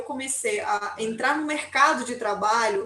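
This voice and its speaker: Against noticeable background noise, a woman with a high pitch uses a raised, projected voice at a moderate pace with ordinary pitch variation. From Peru. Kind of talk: interview answer.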